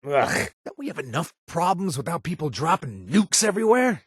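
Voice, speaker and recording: A man's voice: on the high side, sing-song, moderate pace, a bit bright, slightly rough, no room sound, clean studio sound, full character voice. An actor playing a wry adult male bartender and former gang member, joking and conspiratorial, in video game voice lines. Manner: joking and conspiratorial, laughs often.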